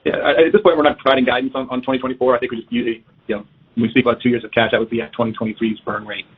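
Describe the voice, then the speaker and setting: A man's voice: medium pitch, level tone, very fast, husky. A man speaking as a finance executive answering questions on an earnings call, careful and stammering through restarts. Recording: tinny conference call phone line.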